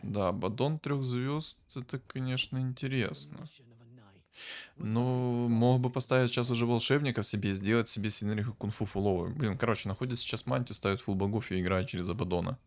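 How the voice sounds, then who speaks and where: A man casually commenting on a strategy game as a streamer, thinking aloud and breaking into bursts of excitement. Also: medium pitch, brisk. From Ukraine.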